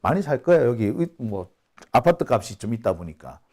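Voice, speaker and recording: Animated middle-aged man from Busan. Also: medium pitch, moderate pace. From Busan, South Korea. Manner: animated, storytelling, frequent "ye" affirmations. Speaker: YouTube channel host. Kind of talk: casual political commentary.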